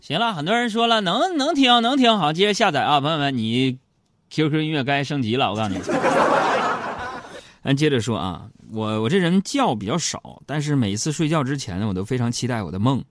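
A middle-aged man, telling funny stories as a radio host. His voice sits a little high and swings up and down a lot. It sounds close and dry, with no room around it. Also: big pitch swings, brisk, fairly bright tone, dry recording. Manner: jokey, chatty, addresses listeners directly. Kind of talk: comedic storytelling talk show.

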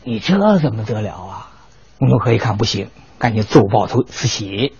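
A man telling history in a lively, colloquial lecture with dramatic asides. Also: fairly low pitch, normal speed, slightly rough, no echo, highs cut off. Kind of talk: storytelling lecture.

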